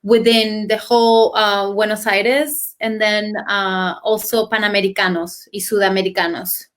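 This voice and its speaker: A woman with an Argentine accent, a dancer guest telling her story in a relaxed, chatty interview, full of fillers. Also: mid-range voice, moderate pace. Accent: Argentine Spanish. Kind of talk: casual interview chat.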